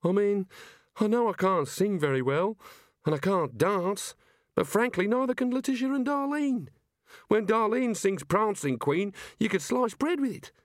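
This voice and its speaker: A man reading an audiobook who voices a polite, ordinary young woman, high-pitched, earnest and tearful. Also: expressive, moderate pace, no echo, studio quality. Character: plain polite young woman, weepy and apologetic.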